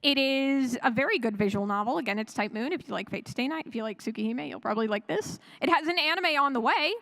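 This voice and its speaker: Chatty, higher-pitched woman giving a fan talk. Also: animated, fast talker, fairly bright tone. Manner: chatty and rambling, with frequent self-corrections and chuckles. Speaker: convention panelist. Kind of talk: casual, enthusiastic fan panel talk. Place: live panel room at a fan convention.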